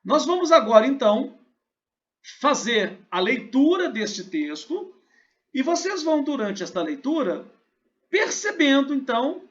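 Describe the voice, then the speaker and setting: A man's voice: very high-pitched, very animated, measured pace, a bit bright, muffled recording. A male teacher with a Brazilian Portuguese accent giving a recorded class, explaining step by step and answering his own questions.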